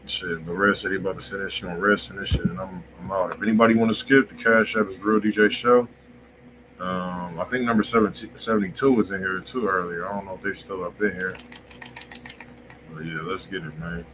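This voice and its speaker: Male livestream host, deep register, street slang and swearing, noisy room recording. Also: fairly even intonation, fairly quick. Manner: slangy, profane. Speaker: music review show host. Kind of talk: casual livestream chat. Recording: clearly noisy room ambience.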